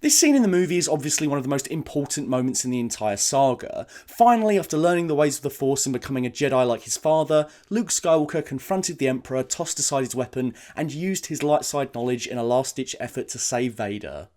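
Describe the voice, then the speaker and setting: A man's voice: mid-range voice, animated, brisk, hardly any pauses, darkish tone. A man narrating a scripted video essay in a casual, enthusiastic and emphatic manner.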